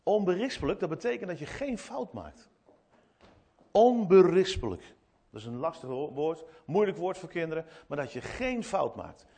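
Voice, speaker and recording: A man giving an animated children's sermon in church, retelling a story with many restarts and asides. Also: a little high, normal speed, vocal fry, husky. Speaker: preacher speaking to children.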